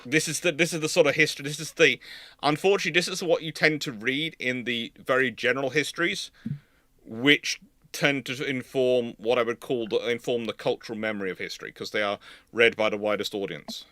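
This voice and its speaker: Bright, forceful man explaining history emphatically. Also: mid-range voice, brisk, dry recording, studio quality. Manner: opinionated, emphatic, digressive explaining. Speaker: host, naval historian. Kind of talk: live question-and-answer discussion.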